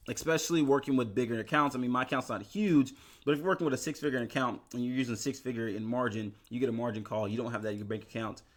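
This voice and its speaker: A man's voice: medium pitch, a bit bright. A young man chatting casually in an investing vlog, tired from little sleep and talking in a rambling way with many restarts. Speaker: finance YouTuber.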